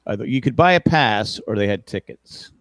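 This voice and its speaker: Rambling fifties man, lively voice. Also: on the low side, normal speed, dry recording. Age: 50s. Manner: rambling, self-correcting, wry about aging. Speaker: podcast co-host. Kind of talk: casual chat.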